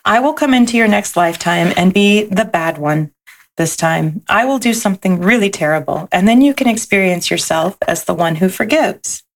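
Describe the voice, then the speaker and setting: Woman doing wise loving soul, storybook, tender, reassuring, gravelly, slightly raised. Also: mid-range voice, expressive, normal speed, natural voice.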